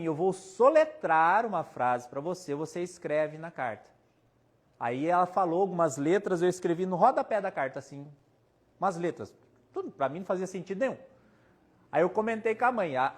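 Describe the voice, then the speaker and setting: A man's voice: high-pitched, slightly rough. A Brazilian man with a Brazilian Portuguese accent giving a casual spiritist talk, telling anecdotes and quoting people with jokes along the way. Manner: chatty, anecdotal, quotes people in his stories, jokes. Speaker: spiritist medium speaker. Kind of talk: casual storytelling talk with audience questions.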